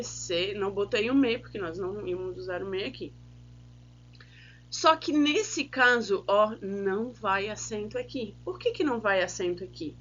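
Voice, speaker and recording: A Brazilian woman teaching a Spanish lesson online, patiently explaining grammar, checking in with tag questions and slowing down to stress example words. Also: mid-range voice, fairly bright tone, lo-fi sound, slight background noise.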